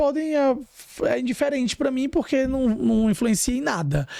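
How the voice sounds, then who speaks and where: An extremely high-pitched man at a moderate pace, with very wide pitch swings and noticeable background noise. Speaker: entrepreneur and digital influencer. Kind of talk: podcast interview. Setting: podcast recording.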